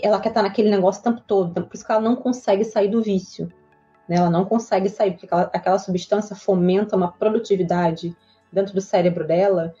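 A woman's voice: medium pitch, fairly even intonation, fast talker, mellow, soft background music. Earnest Brazilian woman psychologist, lo-fi. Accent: Brazilian Portuguese. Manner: earnest, patient, explains step by step with frequent "né?". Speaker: child psychologist guest. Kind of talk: explanatory interview talk. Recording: slightly dull lo-fi audio.

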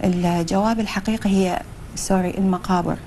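A young woman with an Iraqi Arabic accent, a guest in a TV studio interview, talking with many pauses and fillers and slipping in English phrases. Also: mid-range voice, steady tone, warm tone, slight background noise. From Iraq.

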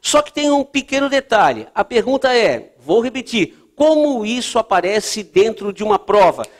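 A man's voice: sits high, very animated, moderate pace. A man teaching geography for a test-prep course, explaining at a board and checking in often with his students. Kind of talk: lecture at a board.

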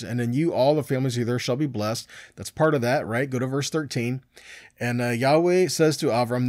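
A man's voice: medium pitch, darkish tone, no echo, clean studio sound. A middle-aged man teaching scripture in an informal sermon, conversational and often answering his own questions. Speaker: Bible teacher.

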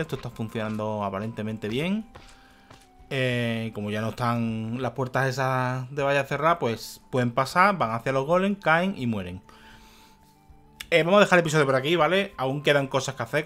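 A man's voice: medium pitch, a little fast, a bit bright, faint music behind. A young man commentating a video game, exasperated, swearing and muttering to himself. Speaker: gaming youtuber. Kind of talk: let's play commentary.

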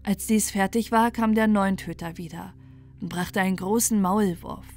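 A woman narrating a bedtime fairy tale in a soothing, gentle, unhurried and expressive way. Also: medium pitch. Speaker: storyteller. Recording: music behind the voice.

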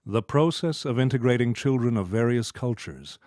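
A man reads scripted documentary narration in a formal, measured way. His pitch sits in the middle range. The recording is dry, with no room sound. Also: lively intonation, darkish tone, dry recording.

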